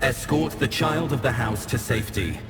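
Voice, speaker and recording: A booming, metallic robot sentinel, speaking in clipped, dutiful reports. Its gravelly machine tone sits mid-range for a man. Loud game music plays underneath. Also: expressive, normal speed. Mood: cold, dutiful. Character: mechanical male guardian sentinel unit.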